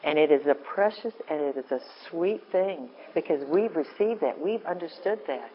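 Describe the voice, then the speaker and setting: A woman with a deep voice giving an informal, earnest talk to a women's group, often breaking off and restarting. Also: animated, normal speed, dull audio, a little hiss or hum. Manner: rambling, self-interrupting, earnest. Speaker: women's ministry speaker.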